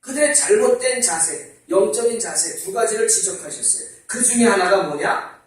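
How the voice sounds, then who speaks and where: Middle-aged male pastor with a lively, swooping delivery, preaching and asking the congregation questions, caught from a distance in a very echoey church hall. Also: high-pitched, moderate pace. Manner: animated, conversational, asks the congregation rhetorical questions. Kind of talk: sermon. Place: church sanctuary.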